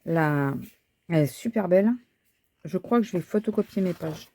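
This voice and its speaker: A woman's voice: lowish voice, normal speed, dark tone. A woman thinking aloud as she crafts, talking casually with frequent fillers and restarts. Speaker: crafting vlogger. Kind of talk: casual chat while crafting.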